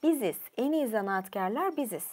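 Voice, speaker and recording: A woman's voice: fairly high pitch, animated, moderate pace, a little mellow. A woman voicing proud, boastful male dwarf craftsmen scorning their rivals. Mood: scornful.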